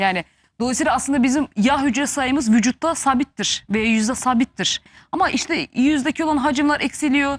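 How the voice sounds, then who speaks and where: At a moderate pace, a woman's high voice comes with very even loudness and ordinary pitch variation, recorded dry and close with no echo in a very clean, silent setting. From Russia, Moscow. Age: 40s. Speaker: plastic surgeon. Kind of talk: TV interview. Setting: TV studio.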